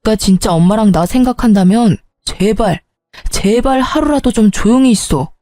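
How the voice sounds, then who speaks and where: A woman's voice: mid-range voice, expressive, moderate pace, mellow, no room sound, studio quality, soft background music, natural voice. A woman voicing a grown son who insists and pleads with his mother, turning angry, in a narrated story. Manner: insistent, pleading, sharpening into anger. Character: grown son, earnest then exasperated and shouting. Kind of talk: storytelling with voiced characters.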